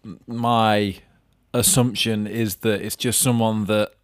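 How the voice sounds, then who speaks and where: A man co-hosting a podcast, chatting casually in an informal, blunt way with halting phrasing. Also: fairly low pitch, little pitch movement, no room sound, clean studio sound. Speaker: podcast co-host.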